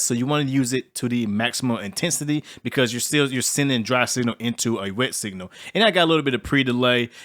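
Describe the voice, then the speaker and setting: Man, low voice, laid-back, slangy, casual tutorial talk. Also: a bit bright. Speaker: music production tutor. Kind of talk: casual screen-recorded tutorial.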